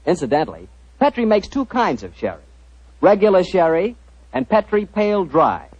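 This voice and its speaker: A man who announces and hosts an old radio show, speaking in a smooth, persuasive pitchman manner. His fairly high voice rises and falls a great deal. It is heard through a muffled, dry, lo-fi old broadcast. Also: very animated, normal speed, a little mellow, no room sound.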